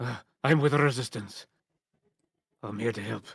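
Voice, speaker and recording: A man puts on a character voice. He speaks at medium pitch and a moderate pace. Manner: earnest, helpful.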